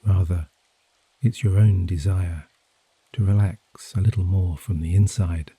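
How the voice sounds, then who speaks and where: A soft-spoken man guiding a sleep hypnosis session in a hushed, soothing, measured way with gently drawn-out phrases. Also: deep voice, steady tone, husky, no echo. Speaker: hypnosis and meditation guide. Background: gentle rain sounds.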